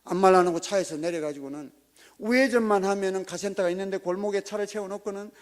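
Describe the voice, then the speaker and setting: A middle-aged man, a church deacon, giving an animated spoken testimony in a church and acting out the voices in his story. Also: high-pitched, fast talker, in a large hall. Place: church sanctuary.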